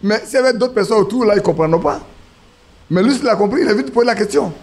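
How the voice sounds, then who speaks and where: Male preacher, high-pitched, sermon storyteller. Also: animated, fast. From Ivory Coast. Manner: storytelling with acted quotes, restarts.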